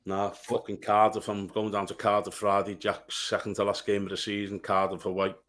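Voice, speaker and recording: A man's voice: on the low side, completely flat delivery, a little fast, fairly bright tone. A middle-aged man with an English accent, a podcast co-host bantering casually and bluntly with lots of swearing.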